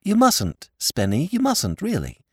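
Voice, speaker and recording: An earnest young woman pleads and coaxes in a raised voice, as a reader puts her on. Her pitch rises and falls widely, and the recording is dry. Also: wildly swooping pitch, unhurried, darkish tone, slightly rough, dry recording, exaggerated voice. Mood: soothing. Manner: pleading, soothing. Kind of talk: audiobook character voice.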